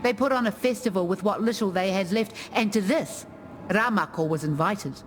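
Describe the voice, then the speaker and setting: Video game tribal lorekeeper, played by a woman: earnest, formal, unhurried myth-telling at medium pitch, music underneath. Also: natural voice. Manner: measured, formal storytelling. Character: tribal woman storyteller recounting her gods' myths, earnest. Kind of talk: video game character lore monologue. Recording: music behind the voice.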